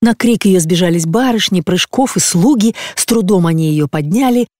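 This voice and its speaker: An audiobook narrator reading classic prose in a measured, even storytelling manner. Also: mid-range voice, no room sound, studio quality. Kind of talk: scripted literary narration.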